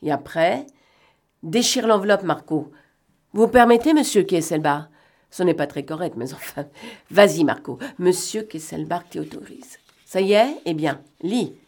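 Woman voicing a sly gentleman thief for an audiobook: bantering, sardonic, quick commands, pitch sitting a bit low. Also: expressive. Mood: commanding. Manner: bantering, sardonic, brisk orders. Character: cunning gentleman thief, man, mocking and commanding. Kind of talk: audiobook reading.

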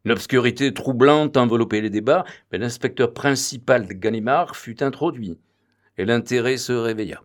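A man's voice: mid-range voice, moderate pace. Man reading a novel aloud. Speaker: audiobook reader. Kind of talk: read-aloud narration.

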